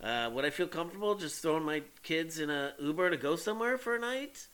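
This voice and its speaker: In a very clean recording with a silent background, a high-voiced man speaks at a fairly quick pace with very wide pitch swings. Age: 40s. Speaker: podcast co-host. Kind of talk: casual chat. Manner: laughs often.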